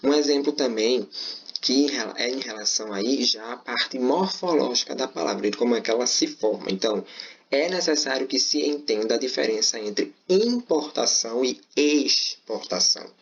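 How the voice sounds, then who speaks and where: A man's voice: mid-range voice, fairly quick, creaky. Man teaching grammar, lo-fi sound. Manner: frequent checking tags like "certo?" and "beleza?"; informal, repeats himself while explaining. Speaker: Portuguese teacher. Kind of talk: explanatory video lesson. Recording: slightly dull lo-fi recording.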